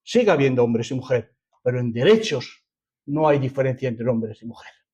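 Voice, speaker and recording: A man's voice: medium pitch, expressive, normal speed, warm tone, breathy edge, muffled recording. A man with an accent from Spain preaching a sermon to a congregation, emphatic and fond of rhetorical questions and repetition. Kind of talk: sermon, reading and expounding scripture to a congregation.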